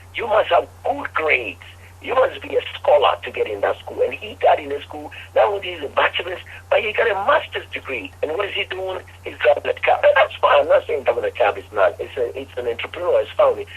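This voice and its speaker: A man's fairly quick speech with big swings in loudness, over noticeable background noise. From Ghana. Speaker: motivational speaker. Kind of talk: interview.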